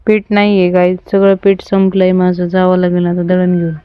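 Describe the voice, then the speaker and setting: A woman's voice: fairly low pitch, monotone, normal speed, clean tone, dry recording, highs cut off. Chatty village woman. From Ahilyanagar district, Maharashtra, India. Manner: chatty, homely, talks to the viewers and her animals. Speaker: village family vlogger. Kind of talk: casual vlog narration. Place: outdoors at a village farmhouse.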